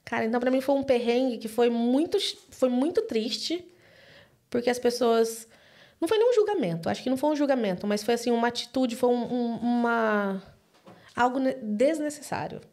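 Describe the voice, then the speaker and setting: Brazilian woman, podcast guest, lively storyteller, slightly high voice. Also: moderate pace. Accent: Brazilian Portuguese. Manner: animated, acts out quoted voices. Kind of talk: casual storytelling interview.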